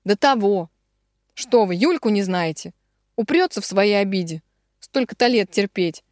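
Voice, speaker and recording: A woman's voice: medium pitch, lively intonation, normal speed, darkish tone, no room sound, clean studio sound, close to an everyday voice. A woman reading an audiobook, voicing an older man, a father who questions pointedly. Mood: pressing. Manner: pressing, interrogating.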